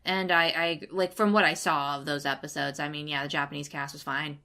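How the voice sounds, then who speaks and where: A woman's voice: deep voice, fairly even intonation, fairly quick, pushed and bright. A woman co-hosting a casual podcast, talking expressively with lots of "like". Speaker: podcast co-host.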